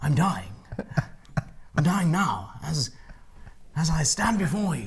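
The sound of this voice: A man's put-on character voice, breathy and fairly high-pitched, fairly slow, with light background noise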